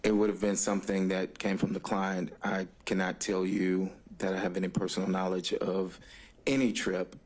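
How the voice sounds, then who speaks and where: A man testifying as a witness in court, speaking formally in a guarded, hesitant and deliberate way. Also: low voice, level tone, a little mellow.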